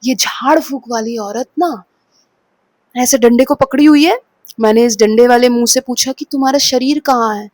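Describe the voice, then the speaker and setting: A woman's voice: a little high, normal speed, no room sound. A woman vlogger dramatically retelling a nightmare, often slipping in English phrases. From Kolkata, India. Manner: dramatic, expressive retelling of a dream. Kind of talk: storytelling vlog.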